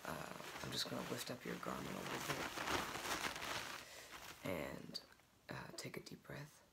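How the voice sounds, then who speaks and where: A young man half-whispers his way through a pretend physical exam, pausing with little hesitations as he guides the listener. His voice has a gravelly edge and moves lively up and down. It sounds like a laptop mic in a small home office, with a steady hiss behind it. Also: mid-range voice. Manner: soft, part-whispered, hesitant instructions. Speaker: ASMR creator playing a doctor. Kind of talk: ASMR roleplay.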